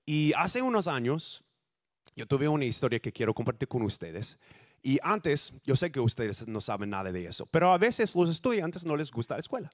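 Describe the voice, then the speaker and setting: A man from the United States, a native English speaker, preaching a sermon in halting, self-correcting Spanish with lively storytelling. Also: mid-range voice. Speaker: guest preacher.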